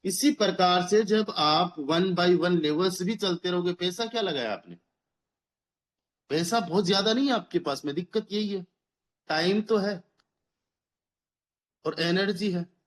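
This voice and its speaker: A man in his thirties giving a motivational business pitch as a team leader, persuasive, repeating phrases for emphasis and mixing English words into his speech. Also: measured pace, pauses often. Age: 30s. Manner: mixes English words into Hindi. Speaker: network marketing team leader.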